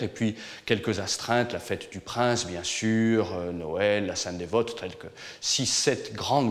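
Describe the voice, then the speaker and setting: A lowish male voice with a long reverberant tail answers interview questions as a choir director. He speaks in a measured way, pausing and repeating words as he searches for them.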